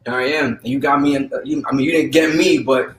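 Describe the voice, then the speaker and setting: A man's voice: mid-range voice, steady tone, quick pace, fairly bright tone, slight background noise. Brash young man on a roomy video call. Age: late 20s.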